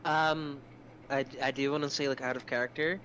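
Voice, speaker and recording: A man's voice: medium pitch, fairly even intonation, fairly quick, a bit bright, low-quality recording. A man playing a tabletop game, talking casually with the other players. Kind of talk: casual out-of-character chat. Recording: faint background noise.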